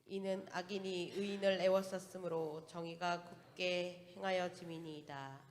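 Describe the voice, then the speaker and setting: A man's voice: high-pitched, fairly even intonation, normal speed. A man in a congregation, reading scripture aloud in unison with the group. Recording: reverberant church hall.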